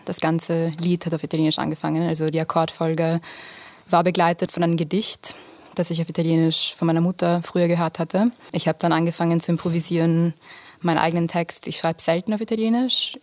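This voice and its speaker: A young woman speaks in a low, fairly level voice, answering a radio host's questions in a thoughtful, measured way with small pauses. The studio sound is dry and close. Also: no room sound. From Vienna, Austria. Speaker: singer-songwriter guest. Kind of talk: radio interview.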